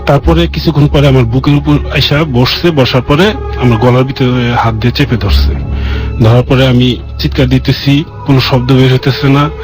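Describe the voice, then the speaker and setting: A man calling into a radio show to tell a personal ghost story, in an earnest, halting way. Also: mid-range voice, fairly even intonation. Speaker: caller. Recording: radio broadcast with faint music.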